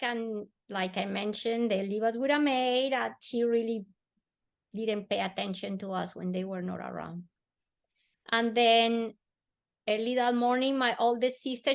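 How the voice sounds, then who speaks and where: Woman, fairly high voice. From Colombia. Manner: earnest, slowing and softening on emotional words. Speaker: podcast guest. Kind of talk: storytelling in a podcast interview.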